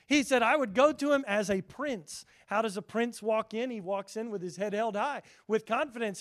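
Middle-aged pastor, man, noticeably high voice, earnest pulpit delivery that swells on scripture and sinks for asides. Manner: earnest preaching, rising loud on scripture, dropping quiet for asides. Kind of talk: sermon.

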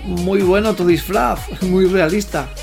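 A man's voice: high-pitched, steady tone, unhurried, gravelly, a little mellow. An actor playing a cocky, lustful young man in a werewolf costume, narrating his night in slangy, self-mocking audio fiction. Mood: deflated, self-mocking. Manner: slangy, boastful, talks to himself. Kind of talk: first-person audio fiction narration with dialogue. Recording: roomy echo, faint music behind.

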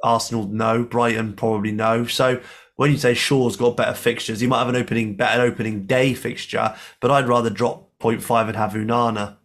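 A man with a hoarse voice co-hosting a casual football podcast, chatty and laughing often. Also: medium pitch, level tone, fairly quick, a bit bright. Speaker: podcast co-host.

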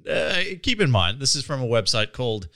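A man's voice: medium pitch, sing-song, a little fast, pushed and bright, no room sound, studio quality. A man co-hosting a podcast, teasing dryly and laughing often. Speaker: podcast co-host. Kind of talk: casual chat.

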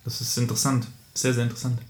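A man's voice: medium pitch, monotone, rapid-fire, a little mellow, reverberant. A man co-hosting a podcast, talking reflectively with many fillers and then reading a short story aloud. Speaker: podcast co-host. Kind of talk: casual conversation and story reading.

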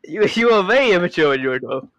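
A man's voice: high voice, very animated, fast, a bit bright. A teenage boy co-hosting a casual chat, wry and teasing. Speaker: podcast co-host.

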